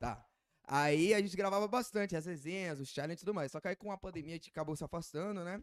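A man speaks at a very fast pace in a high voice for a man. His pitch varies in an ordinary way, and the sound is dry and close with no echo. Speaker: podcast guest, content creator. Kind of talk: casual chat.

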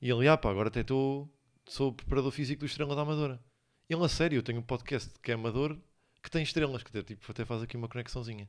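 A man's medium-pitched voice at a very fast pace, ordinary pitch variation, on a very clean recording with a silent background. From Portugal, Guarda. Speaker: podcast host and comedian. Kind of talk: casual solo chat. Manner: animated.

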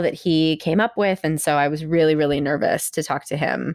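In an unremarkable speaking voice, a woman with fairly low pitch talks at a fairly quick pace on a very clean recording with a silent background and a dry, close sound with no echo. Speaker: therapist and podcast host. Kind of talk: casual interview chat. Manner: chatty, laughs often.

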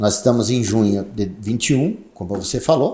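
A man speaks at a fairly slow pace. His voice carries vocal fry. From Curitiba, Paraná, Brazil, German-speaking family. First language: German (speaking Portuguese). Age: 60s. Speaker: business founder. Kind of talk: interview. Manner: halting, many repetitions.

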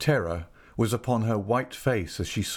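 A natural reading voice. Nothing more stands out.

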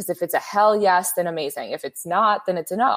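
A woman talks in a Californian accent. Her pitch is medium. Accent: Californian American. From US, San Francisco Bay Area. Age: 20s. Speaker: digital designer. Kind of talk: casual interview chat.

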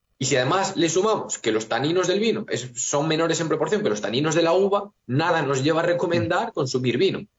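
The speaker talks very fast with a Galician accent, somewhat breathy and with lively intonation. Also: man. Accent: Castilian Spanish, Galician. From Spain, Galicia (A Coruña). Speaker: nutrition writer and author. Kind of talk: interview.

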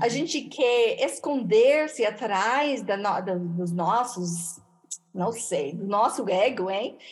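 Speaking at a very slow pace, a woman uses lively intonation in an English accent. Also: fairly high pitch for a woman. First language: English (speaking Portuguese). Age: 60s. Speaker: women's ministry speaker. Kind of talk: interview.

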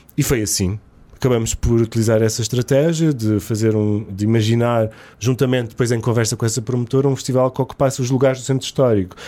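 At a very fast pace, a man speaks with a dark, mellow tone and a medium pitch. His intonation stays fairly even. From Azores, São Miguel (Ponta Delgada). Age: 30s. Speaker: festival co-director and dance artist. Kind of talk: casual chat. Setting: studio.

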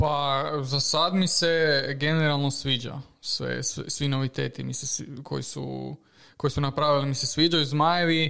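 The man's voice is fairly high in pitch with a bright, sharp tone and monotone, flat intonation, captured on a very clean recording with a silent background. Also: fairly slow pace. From Croatia, Požega (Slavonia). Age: 20s. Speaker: esports content intern and student. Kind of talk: casual chat.

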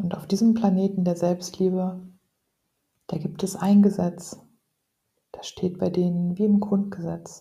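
Speaking at a fairly slow pace with long, frequent pauses, a woman keeps a gentle tone, a medium pitch and a monotone, flat intonation. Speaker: coach and trainer. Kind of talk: guided meditation, calm and soothing. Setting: podcast recording, solo. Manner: soft-spoken, gentle.

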